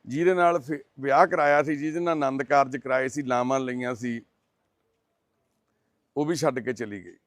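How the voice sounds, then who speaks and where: A middle-aged man, a charity volunteer, making a heartfelt appeal and gently consoling and questioning the people he visits. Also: medium pitch, fairly even intonation, moderate pace, long pauses, no room sound. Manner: earnest, gently consoling, explanatory. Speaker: charity volunteer presenting a case. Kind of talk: heartfelt appeal and on-site interview.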